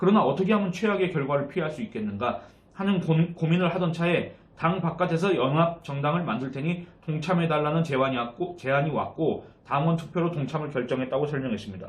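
This is a man with a fairly high pitch and ordinary pitch variation. He uses an ordinary speaking voice at a fairly quick pace. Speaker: magazine journalist. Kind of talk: political commentary to camera.

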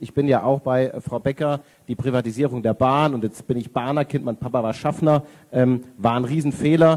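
A medium-pitched male voice with a dark, mellow tone moves at a fairly quick pace. Intonation stays fairly even. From Hesse, Kirchhain area. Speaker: state politician, former teacher. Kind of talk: panel debate.

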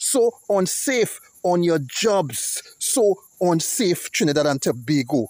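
In a quiet background with dry sound and no echo, a man speaks at a high pitch with lively intonation. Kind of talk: political address to viewers. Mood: angry, urgent appeal. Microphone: phone near.

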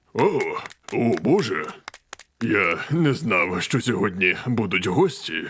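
Putting on a cartoonish character voice, a man at medium pitch speaks at a fairly slow pace with long, frequent pauses. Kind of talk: cartoon voice dubbing. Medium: fan dub. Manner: soft, melancholy, weary.

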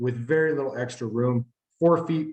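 A man's medium-pitched, somewhat breathy voice with an American accent, moderate pace and fairly even intonation. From Springfield, Oregon. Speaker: public commenter, family business member. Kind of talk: public comment at hearing.

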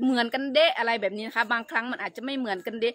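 Her tone is bright and sharp, a woman's high-pitched voice with ordinary pitch variation and a dry sound with no echo. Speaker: online success coach. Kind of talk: motivational talk. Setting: outdoors by rice fields. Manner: energetic. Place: open country. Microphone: phone near.

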